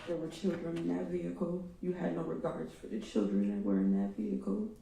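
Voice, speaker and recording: Gravelly-voiced grieving mother in court. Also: lowish voice, sing-song, brisk, warm tone. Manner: raw and emotional, speaking straight to the defendant. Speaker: victim's mother giving an impact statement. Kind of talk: courtroom victim impact statement. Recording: echoey courtroom from far off.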